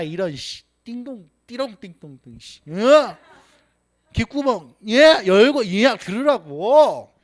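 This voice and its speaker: A man giving a motivational seminar talk. He acts out quoted voices and keeps asking the audience rhetorical questions. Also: high-pitched. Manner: animated, asks the audience many rhetorical questions. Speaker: sales seminar speaker.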